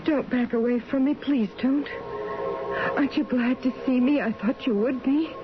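A woman's voice: sits high, natural voice. An actress playing an unconscious, dying woman in a radio drama, drifting dreamily and wistfully in search of her dead mother. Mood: wistful, pleading. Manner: dreamy, slow, wistful and pleading. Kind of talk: old-time radio drama acting, inner monologue. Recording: dull vintage radio recording, loud music behind. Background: loud music.

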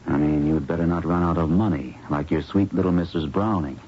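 An actor playing an earnest, protective investigator with a wry, grave manner in a 1970s radio drama. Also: male voice, low voice, steady tone, fairly quick, close to an everyday voice. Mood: grim, wry. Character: earnest protective male investigator doctor in love. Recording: muffled noisy old radio recording.

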